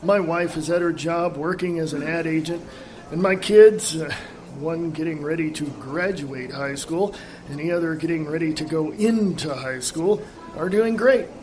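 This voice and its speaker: An actor playing a reflective, contented middle-aged family man in a radio theatre monologue, measured and pensive with dramatic pauses. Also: fairly high pitch, background noise, natural voice. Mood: candid, thoughtful.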